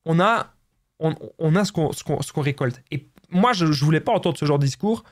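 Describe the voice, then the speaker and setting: A man's voice: on the high side, expressive, brisk. Chatty Belgian French man giving advice. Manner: repetitive, stumbling, chatty. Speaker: relationship coach. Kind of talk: casual advice talk to camera.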